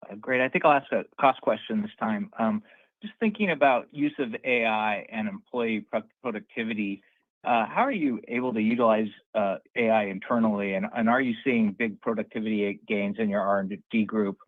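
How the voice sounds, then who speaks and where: A man calls in as a financial analyst to put questions to company executives. His voice is slightly low and comes through a tinny phone line, dry and without room sound. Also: fairly quick, no echo. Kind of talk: asking questions on an earnings call.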